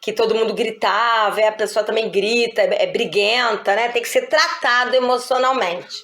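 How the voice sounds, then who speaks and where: With very even loudness and fairly even intonation, a woman talks at a moderate pace over noticeable background noise. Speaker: pastor. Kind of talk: Bible study teaching. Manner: loud, sounds like arguing.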